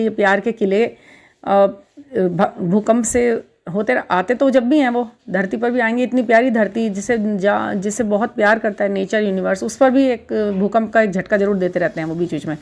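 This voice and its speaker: A middle-aged woman talks warmly and unhurriedly to her followers about spiritual matters. Her voice sits at an ordinary middle pitch, and she often repeats words to press a point home. English terms come up often in her Hindi. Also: fairly even intonation, moderate pace. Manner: gentle, reassuring, repeats words for emphasis. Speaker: spiritual guidance channel host. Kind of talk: casual talk to viewers.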